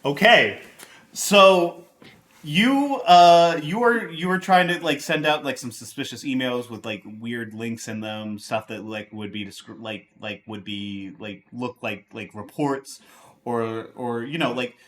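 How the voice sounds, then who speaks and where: Bright, forceful man running a tabletop game. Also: mid-range voice. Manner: halting, rambling, informal. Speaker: game master. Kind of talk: casual tabletop game narration.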